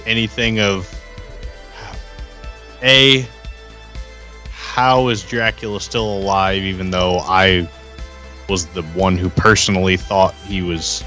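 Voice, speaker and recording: A low-voiced man speaks very slowly and deliberately, leaving pauses between phrases as he improvises in a tabletop game. Faint music runs behind his casual delivery. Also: fairly even intonation, sharp tone. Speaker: tabletop roleplay player. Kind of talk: casual improvised roleplay chat.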